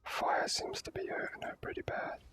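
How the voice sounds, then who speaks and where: An ASMR gaming host giving casual, drawn-out gameplay commentary in whispers.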